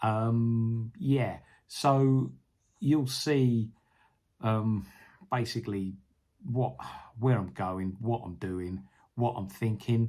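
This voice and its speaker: A man with a dark, mellow tone and medium pitch speaks very slowly with ordinary pitch variation and long, frequent pauses. The recording is very clean with a silent background. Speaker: online reseller. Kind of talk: casual vlog commentary. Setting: charity shops. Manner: soft-spoken in shops. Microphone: sound issue, too quiet.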